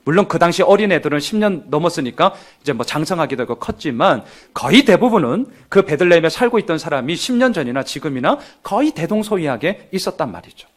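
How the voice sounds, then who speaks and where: A man preaching a sermon as pastor to his congregation, animated and acting out the voices of townspeople as he goes. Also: a little high, fast talker, hardly any pauses. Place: church sanctuary with congregation.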